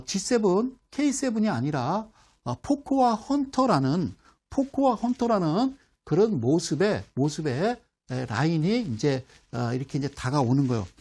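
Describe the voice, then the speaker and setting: A man's voice: sits high, darkish tone. A middle-aged man giving a playful stock chart lecture, asking questions and answering himself, with sound effects and mock dialogue. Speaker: stock market instructor.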